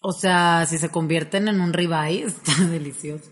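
A young woman from Monterrey with a northern Mexican accent, co-hosting a comedy podcast with playful, deadpan jokes. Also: lowish voice, moderate pace. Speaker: podcast co-host. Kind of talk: casual comedic chat.

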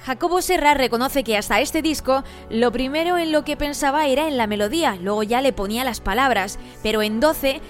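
A woman narrating a scripted radio report in a smooth, measured read. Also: high voice, soft background music.

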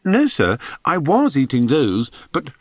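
A man's voice: medium pitch, wildly swooping pitch, measured pace, no room sound, clean studio sound, voice pushed up. A man voicing a nervous, evasive, polite schoolboy with an English accent, hesitant and deferential, in an audiobook. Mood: nervous evasion.

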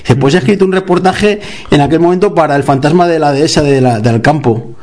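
A man from Guadalajara, Spain, an author being interviewed, who tells anecdotes in an animated way and acts out the dialogue. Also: a little high, quick pace. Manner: animated storyteller, acts out dialogue, laughs while telling. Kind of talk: casual interview chat.

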